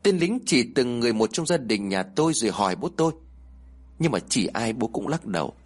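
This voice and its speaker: A man tells a first-person ghost story in a slightly husky voice. His pitch rises and falls a lot, and he acts out the quoted people as he goes. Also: brisk. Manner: lively, voices the quoted characters.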